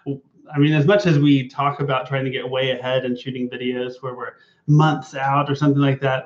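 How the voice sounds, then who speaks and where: Relaxed young man on a live stream. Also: mid-range voice. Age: young adult. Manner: relaxed, informal, thankful. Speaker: vlog co-host. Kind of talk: casual live-stream chat. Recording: roomy, slightly dull live-stream audio.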